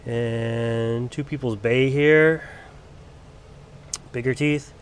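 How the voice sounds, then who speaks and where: Behind a handheld camera, a man still recovering from a cold walks through his plant collection in an indoor grow space under bright lights. He speaks very slowly at medium pitch with fairly even intonation, chatty and unpolished with frequent ums and restarts, and there's a little hiss or hum.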